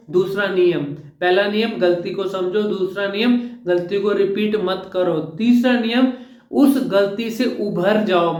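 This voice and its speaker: A man's voice: high voice, reverberant, highs cut off. A man who works as a speech coach, giving an emphatic instructional talk and repeating his key points as rules.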